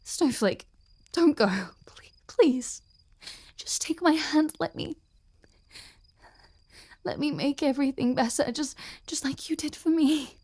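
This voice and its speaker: A woman playing an obsessed, cruel ice queen general in a dramatic audio roleplay, halting and intense, often breathy. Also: sits high, a little mellow. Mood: desperate pleading.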